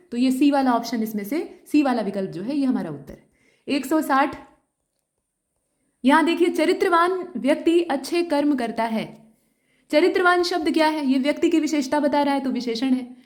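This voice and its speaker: A woman teacher going through an exam answer key, explaining each question and often pausing to check that the point has landed. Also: high voice.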